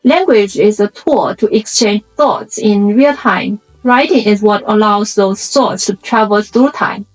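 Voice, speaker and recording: Narrating a scripted, reflective video essay, a Chinese woman with a Chinese accent speaks in measured, explanatory short phrases; a Chinese dialect is her native tongue. Her voice is mid-range, faint music plays behind her, and the audio quality is poor.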